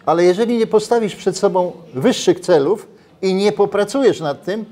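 In a relaxed interview at a brick-walled restaurant, an older man from Poland who once played football talks in a high voice at moderate speed. A lapel mic captures his animated, gesturing delivery and many restarts.

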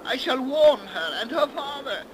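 Very high-pitched pious seaman. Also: very animated, measured pace, fairly bright tone, heavily acted. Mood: anxious warning. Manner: archaic, solemn speech. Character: pious, anxious seafaring comrade warning the villain. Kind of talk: 1930s radio drama acting. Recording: noisy 1930s radio broadcast.

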